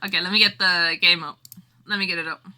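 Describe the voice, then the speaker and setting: A woman's voice: on the low side, fairly even intonation, fast, sharp tone. A woman livestreamer chatting casually with her viewers in a rambling, exclamatory way. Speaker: livestreamer and game developer.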